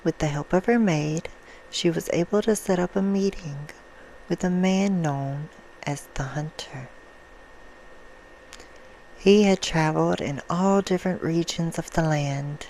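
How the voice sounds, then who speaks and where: A woman playing a vampire who reads a bedtime story in a hushed, soothing ASMR roleplay style. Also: deep voice, slight background noise, low-quality recording. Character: female vampire reading a soft bedtime story.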